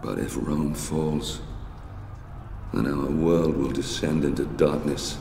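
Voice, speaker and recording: An actor playing a grave, embittered Roman warrior, narrating solemnly in a dramatic video game. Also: male voice, extremely low pitch, flat delivery, slow, vocal fry, warm tone, heavily acted. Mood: solemn, bitter. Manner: solemn, brooding. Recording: long echoing reverb, faint ambient noise.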